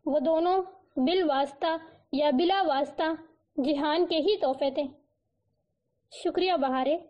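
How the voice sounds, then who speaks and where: A woman narrating a novel as an audiobook, with a steady, even storytelling delivery. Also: high-pitched. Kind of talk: scripted novel reading. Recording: dull lo-fi recording.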